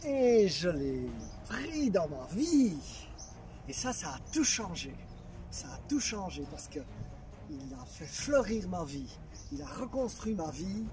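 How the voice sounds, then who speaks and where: A middle-aged man giving an expressive, conversational Christian testimony, repeating phrases for emphasis. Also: high-pitched, slow, background noise. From Belgium. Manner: expressive, conversational storytelling with rhetorical repetition. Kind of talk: testimony told to camera with acted-out moments.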